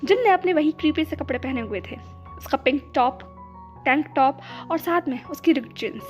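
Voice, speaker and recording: A woman narrating her own fan fiction story in a flowing, expressive way. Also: sits high, moderate pace. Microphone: phone recording. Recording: dull lo-fi voice with background music.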